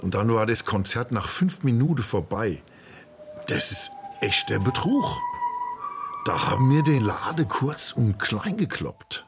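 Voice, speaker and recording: An actor playing a cheated, indignant concertgoer in a radio play, talking bluntly and colloquially. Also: male voice, medium pitch, big pitch swings, unhurried. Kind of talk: German radio play, eyewitness account. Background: music.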